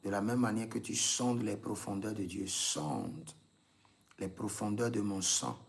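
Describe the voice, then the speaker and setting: A man's voice: on the low side, a little slow, creaky. A man, a prophet leading a live prayer session, repeating intense commands and breaking into tongues.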